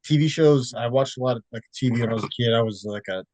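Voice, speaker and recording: This is a young man from Texas in a relaxed podcast chat, at an ordinary middle pitch. He rambles with many fillers, restarts and little laughs. The sound is dry and close, with no room to it. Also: fast, no room sound. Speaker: podcast guest. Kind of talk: casual interview chat.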